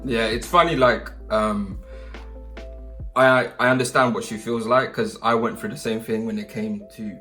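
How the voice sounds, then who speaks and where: Laid-back young man, low voice. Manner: relaxed, laid-back storytelling with fillers. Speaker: guest, host's husband. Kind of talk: casual couple chat.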